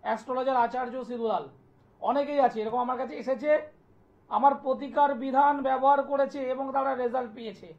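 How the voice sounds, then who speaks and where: A man, an astrologer hosting a live TV call-in show, delivering an insistent, repetitive pitch and taking callers' details. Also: steady tone, fast talker, creaky. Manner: insistent, repetitive sales pitch, listing place names. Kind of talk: live TV promotional talk and phone call-in. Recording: dull lo-fi broadcast sound.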